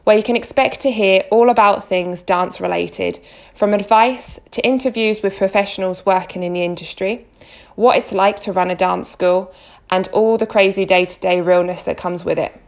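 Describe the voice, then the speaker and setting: Gravelly-voiced English woman from Essex. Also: mid-range voice, normal speed, a little mellow. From Essex, England. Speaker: podcast host. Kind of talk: scripted solo podcast intro.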